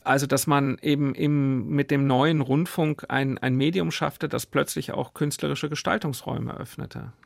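A man's voice: medium pitch, steady tone, moderate pace, vocal fry, few pauses, no room sound, clean studio sound. A man hosting a radio discussion, speaking in a reflective, searching manner. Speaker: radio host and interviewer. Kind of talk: moderated radio discussion, scripted introductions and spontaneous talk.

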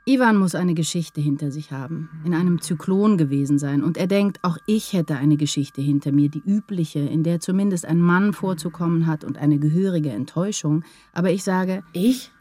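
A woman's voice: low-pitched, normal speed, hardly any pauses, mellow. Brooding, anxious woman writer. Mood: pleading, confessing. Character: anxious, brooding woman writer in love, confessing inner thoughts. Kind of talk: literary radio drama, first-person inner monologue and dialogue.

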